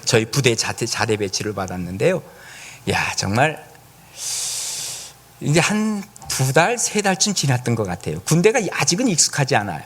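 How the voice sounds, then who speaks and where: A male pastor preaching in a church, telling a lively personal story and asking the congregation questions. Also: medium pitch. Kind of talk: sermon.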